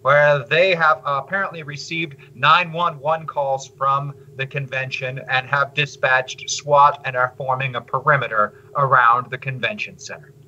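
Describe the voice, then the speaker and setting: A man narrating a tabletop game as game master, in measured, descriptive narration. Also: medium pitch, fairly even intonation, pushed and bright, muffled recording, slight background noise.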